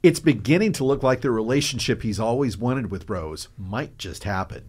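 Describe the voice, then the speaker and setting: A man's voice: mid-range voice, animated, normal speed, darkish tone, breathy edge. A man narrating a radio drama in a storytelling style.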